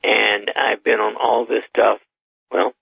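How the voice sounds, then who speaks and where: A man's voice: fairly low pitch, level tone, slow pace, gravelly, slightly rough, no echo. A man in his eighties, a doctor guest on a radio call-in show, giving matter-of-fact health advice with the odd chuckle. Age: 80s. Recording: tinny phone line.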